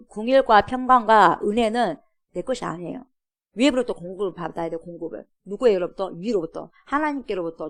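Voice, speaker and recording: Woman pastor preaching with emphatic questions. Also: medium pitch. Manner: emphatic preaching with repeated rhetorical questions to the congregation. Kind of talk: sermon. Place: church.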